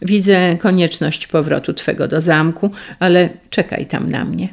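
A reader voicing a proud young man on the run in an audiobook, solemn and resolute, with some vocal fry. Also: a little high, steady tone, a little slow. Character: young outlaw lover, proud and defiant. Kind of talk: audiobook reading.

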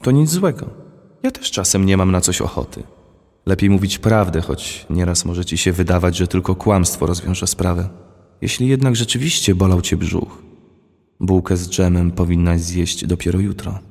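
A man reading a storybook, voicing a calm, wise father who gently lectures his daughter. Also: sits low, normal speed, gravelly. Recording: long hall reverb.

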